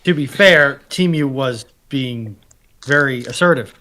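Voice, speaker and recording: A man chatting casually as a panellist, with a measured, dry manner. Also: medium pitch, pushed and bright. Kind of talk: casual chat.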